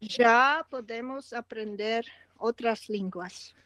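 A Dutch-accented woman from Flanders speaks very slowly in learner's Portuguese, pausing and repeating as she hunts for words. Her slightly high voice sounds dry and close. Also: a bit bright, dry recording. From Flanders, Belgium. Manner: halting learner speech, searches for words and repeats. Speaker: student and guest caller. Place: outdoors in her garden.

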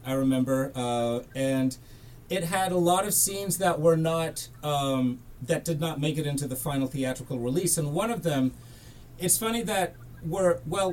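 Male podcast host, slightly high pitch, rambling casual talker. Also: a little mellow, slight background noise, rough recording. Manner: chatty, tangent-prone. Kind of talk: casual film discussion.

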